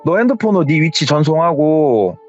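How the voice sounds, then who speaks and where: Guy putting on a yelling boss man, voice jumps way up high when he shouts, kinda muffled audio w/ soft music. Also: big pitch swings, moderate pace. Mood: barking orders. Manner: shouting, gruff, commanding. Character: angry middle-aged male company boss barking orders. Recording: slightly dull audio, faint music.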